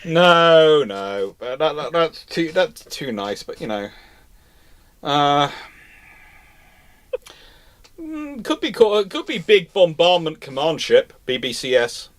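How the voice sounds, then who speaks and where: A man's voice: on the high side, sing-song, slow, long pauses, fairly bright tone. A man hosting a casual live panel discussion, explaining things and rephrasing as he goes. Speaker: live stream host answering naval history questions.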